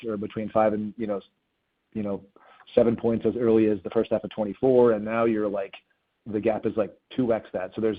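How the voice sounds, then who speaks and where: Analyst guy calling in, kinda low voice, chatty and halting, tinny phone sound. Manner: halting, conversational, many restarts. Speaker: analyst asking questions. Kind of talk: earnings call question.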